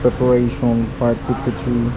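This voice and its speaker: A man's voice: medium pitch, monotone, moderate pace, muffled recording. Filipino guy vlogging, medium voice, teasing casual banter, super noisy street behind him. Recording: loud vehicle and street noise.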